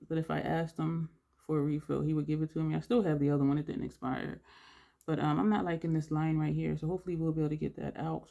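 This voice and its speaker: Gravelly, rambling makeup vlogger. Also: medium pitch, a little mellow. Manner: rambling, thinks aloud while working; audible breathing between phrases. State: congested-sounding. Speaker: beauty vlogger. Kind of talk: casual makeup tutorial chat.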